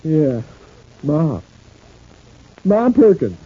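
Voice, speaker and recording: A man acting a proud, gullible working-class husband in an old-time radio serial, with a plaintive, folksy, halting delivery. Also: fairly high pitch, very animated, breathy edge, heavily acted. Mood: wounded. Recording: muffled old radio recording.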